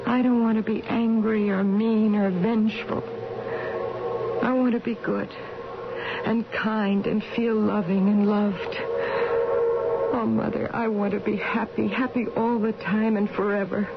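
A woman's voice: medium pitch, little pitch movement, unhurried, gravelly, background noise. An actress in a radio drama playing a frail, anguished middle-aged mother in a dreamy, yearning monologue. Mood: weary pleading. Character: frail, sick, anguished mother pleading with her own mother. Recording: dull lo-fi radio broadcast, music underneath. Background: music.

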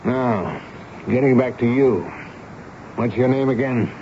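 An actor as a commanding army major, vintage radio. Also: male voice, medium pitch, a little slow, natural voice. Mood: probing. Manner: commanding, interrogating, clipped. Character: stern army major, authoritative, later fatherly. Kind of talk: 1970s radio drama acting. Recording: dull, noisy vintage radio broadcast.

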